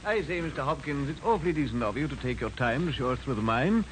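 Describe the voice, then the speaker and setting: A man's voice: medium pitch, lively intonation, fast, close to an everyday voice. Male actor as suave English aristocrat crook, British accent, swooping intonation, old radio play, faint hiss. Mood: polite, curious. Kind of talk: 1940s radio acting. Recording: noisy old 1940s radio broadcast.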